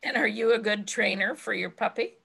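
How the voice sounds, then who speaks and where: A woman's voice: medium pitch, moderate pace, vocal fry, pushed and bright, husky. An older woman hosting a casual interview over a video call from her home, speaking in an effusive, praising manner. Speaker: host. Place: home room with bookshelves.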